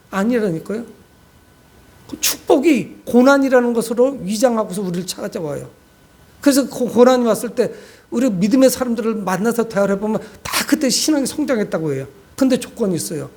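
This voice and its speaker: A man's voice: sits high, gravelly, a little mellow, breathy edge. A man preaching a sermon as a pastor, exhorting his congregation with frequent direct appeals and rhetorical questions. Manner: exhortative, addresses listeners often with rhetorical questions.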